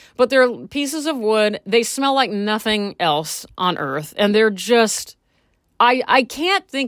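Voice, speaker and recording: In a Midwestern American accent, a woman speaks at a fairly slow pace. The recording is very clean, with a silent background. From US Midwest. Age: 40s. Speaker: podcast host. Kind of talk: casual monologue. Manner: rambling with fillers and self-corrections.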